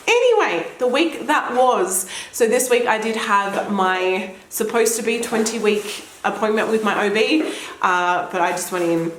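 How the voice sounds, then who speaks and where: A woman's voice: medium pitch, a little hiss or hum. Chatty Australian woman in echoey room. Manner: chatty and rambling, laughs often. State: slightly throaty from a cold. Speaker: vlogger. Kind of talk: casual chat to camera.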